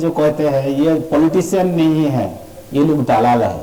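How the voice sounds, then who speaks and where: A man's voice comes with audible echo from the room and noticeable noise in the background. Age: 60s. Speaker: poet and speaker. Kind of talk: Q&A answer at festival talk.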